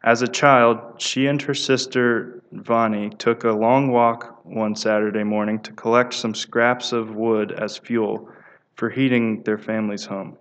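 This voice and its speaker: A man giving a devotional talk who reads prayer stories aloud at a steady pace, with small stumbles and restarts. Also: on the low side, a little slow.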